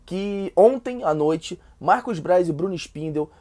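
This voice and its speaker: A man's voice: high-pitched, animated, unhurried, mellow. Picture a Brazilian man with a head cold, his voice stuffed up and nasal. He hosts a fan channel and talks football news in a chatty, loose way, repeating himself and tossing in little fillers as he goes. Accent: Brazilian Portuguese. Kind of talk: casual football news vlog.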